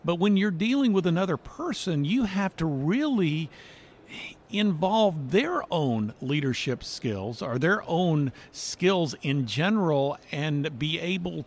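A man's voice: a little high, darkish tone. A man hosting a Christian radio interview show, asking long rambling questions and laughing easily.

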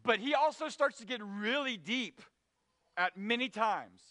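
A man preaching a sermon to his church, telling a story animatedly and dropping to a quiet, serious tone for weighty points. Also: very high-pitched, animated, unhurried. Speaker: pastor.

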